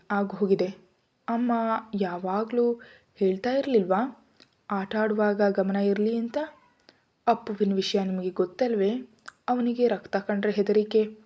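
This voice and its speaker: A woman's voice: mid-range voice, steady tone, a little slow, pauses often, mellow, lightly acted. A woman reading a tender worried mother. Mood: scolding gently. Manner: tender, pleading. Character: caring, anxious young mother.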